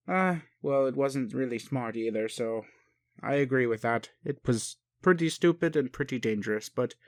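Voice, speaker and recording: A man playing a bemused, gentle and naive male alien caregiver in an intimate roleplay audio, speaking hesitantly and haltingly. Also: mid-range voice, dry recording, clean studio sound. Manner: hesitant, puzzled, halting, sighing. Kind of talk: intimate one-sided roleplay audio acting.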